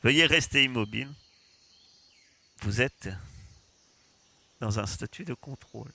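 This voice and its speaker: A man's voice: mid-range voice, measured pace, gravelly, a little hiss or hum, full character voice. A man doing a clangy metallic robot drone. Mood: commanding. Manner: flat, mechanical, repeats the same order. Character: metallic-voiced surveillance drone, cold and repetitive. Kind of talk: game master voicing a figure in a tabletop game.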